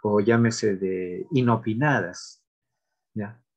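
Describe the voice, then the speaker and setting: A man teaching an online grammar class, talking haltingly with many fillers and restarts, and repeating example sentences aloud. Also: lowish voice, a little mellow.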